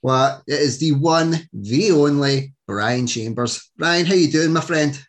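A man's voice: a little high, a little slow. A man hosting a casual interview podcast, joking and rambling as he talks with his guest over a call. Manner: jokey, rambling, laughs often. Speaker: podcast host.

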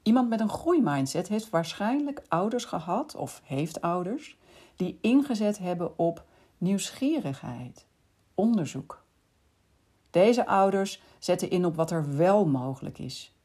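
A woman hosting a podcast, calmly explaining in scripted narration and speaking directly to the listener. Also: fairly low pitch, a little slow, slightly rough. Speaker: podcast host.

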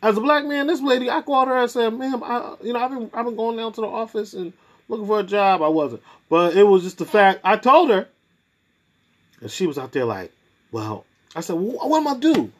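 Animated male podcast storyteller. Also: sits high, a little fast. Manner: animated storyteller, laughs often, acts out quotes. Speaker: podcast host. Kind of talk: casual chat.

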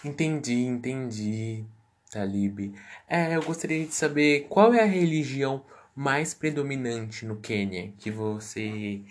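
A man hosting a podcast interview, asking questions slowly with hesitant fillers. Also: medium pitch, a little hiss or hum.

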